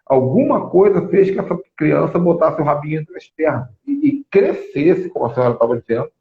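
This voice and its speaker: A man, apostle and host, telling stories in a lively live religious teaching talk. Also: fairly high pitch, fast talker, vocal fry. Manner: animated storytelling, many restarts. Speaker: apostle and prophet, show host. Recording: echoey, phone-like thin sound.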